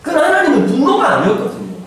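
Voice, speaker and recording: A pastor in his forties giving a humorous, animated sermon, now and then acting out voices and shouting for effect. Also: extremely high pitch, quick pace. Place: church sanctuary. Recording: echoey church hall, distant mic, faint ambience.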